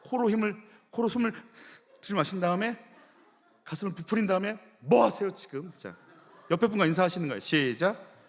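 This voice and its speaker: A man preaching a sermon in a church, animated storytelling with acted-out quotes. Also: high-pitched, fairly quick, in a large hall. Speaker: pastor. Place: church sanctuary.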